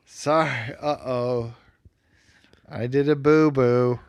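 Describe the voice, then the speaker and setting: A man's voice: medium pitch, fairly even intonation, slow pace, a little hiss or hum. An American man co-hosting a podcast in casual, joking banter. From United States. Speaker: podcast co-host.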